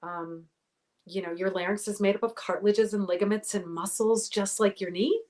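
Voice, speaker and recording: A middle-aged woman, a voice pathologist, giving clear explanatory interview answers full of sports analogies. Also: mid-range voice, steady tone, moderate pace, darkish tone. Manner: articulate, explanatory, uses athletic analogies. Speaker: voice pathologist guest.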